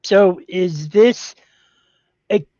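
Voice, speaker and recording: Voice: medium pitch, mellow, no echo. A player in a tabletop game who speaks in short, hesitant bits. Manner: slow, hesitant, few words. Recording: muffled lo-fi mic.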